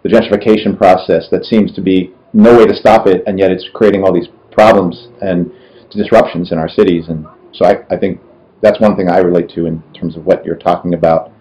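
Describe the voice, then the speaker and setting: A man hosting a podcast interview over a video call, asking halting questions with many restarts. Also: sits low, steady tone, mellow, poor audio. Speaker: podcast host.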